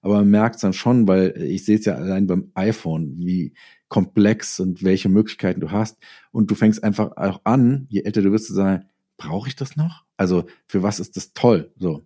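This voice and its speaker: Low-voiced, mellow middle-aged man in conversation. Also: moderate pace, slightly rough. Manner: reflective, explains through self-quotes. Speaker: interview guest, author. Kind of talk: casual conversational interview talk.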